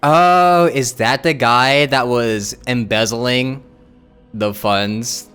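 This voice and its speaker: A man's voice: medium pitch, fairly even intonation, drawn-out words, fairly bright tone, clean tone, soft background music. A man streaming a casual live reaction, talking in a rambling way with lots of restarts and fillers.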